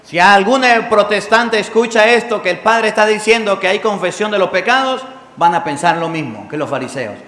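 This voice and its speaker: Priest preaching with a bright, high voice. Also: male voice, moderate pace. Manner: animated preaching with questions to the congregation. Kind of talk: sermon. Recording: echoey hall with long reverb.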